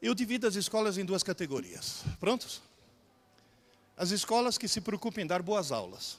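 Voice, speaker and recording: A man talks at a high pitch with ordinary pitch variation, breaking often into long pauses. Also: moderate pace. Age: 60s. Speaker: professor. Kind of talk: lecture. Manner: animated.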